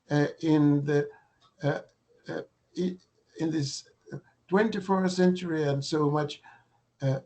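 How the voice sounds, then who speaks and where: Older male academic lecturer, hoarse, high-pitched, halting delivery over a video call. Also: a little mellow. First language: Russian. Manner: halting, with many fillers and restarts. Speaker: guest lecturer.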